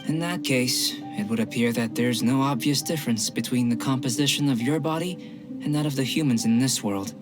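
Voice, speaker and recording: A man voicing a calm young male alchemist in a game, measured, clinical and politely detached. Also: medium pitch, lightly acted. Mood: composed. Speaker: game character. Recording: game audio with music behind.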